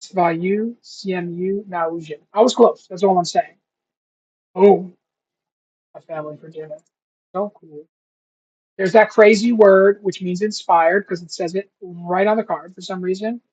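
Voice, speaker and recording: A young man with a husky, slightly breathy voice talks to himself while studying, drifting between chatty asides and slow, careful attempts at new words. The sound is dull and lo-fi, like a cheap home setup. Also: sits high, steady tone, darkish tone. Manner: rambling, thinks aloud, sounds out foreign words slowly. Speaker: language learner vlogger. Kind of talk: casual self-talk while studying. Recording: dull lo-fi recording.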